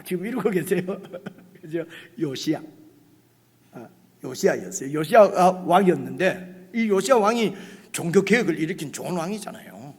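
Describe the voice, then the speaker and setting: A male pastor preaches in a casual, conversational way, full of fillers and restarts. His voice sits high and swings widely, with a slightly husky edge. The long reverb of a church hall trails behind him. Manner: animated, many fillers and restarts, rising to near shouts. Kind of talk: conversational sermon. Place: church sanctuary.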